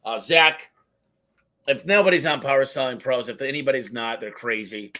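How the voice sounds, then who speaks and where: A man in his late thirties hosting a casual podcast interview, talking in an energetic, rambling, self-deprecating way with casual slang. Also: mid-range voice, moderate pace. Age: 30s. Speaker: podcast host.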